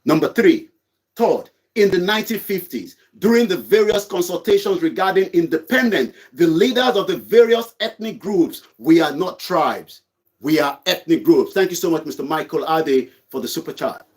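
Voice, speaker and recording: A man's voice: high voice, expressive, normal speed. A man hosting an online news show, reading out an article and commenting on it emphatically. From Nigeria. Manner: emphatic, preachy, repeats points.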